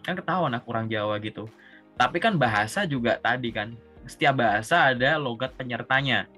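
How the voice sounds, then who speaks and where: A man's voice: medium pitch, brisk, bright, forceful tone, soft background music. A young man from Java coaching a job seeker over a video call in casual, conversational talk, often ending points with a tag word and asking if the listener follows. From Java, Indonesia. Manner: conversational, repeats "gitu" and checks understanding with questions. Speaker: career coach.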